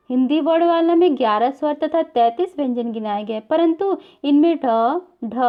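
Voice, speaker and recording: Lady teacher going over hindi grammar, high voice, kinda dull lo-fi sound, keeps repeating stuff and asking the class questions. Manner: repeats points and asks the class rhetorical questions; uses English words within Hindi. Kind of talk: explaining a lesson to viewers.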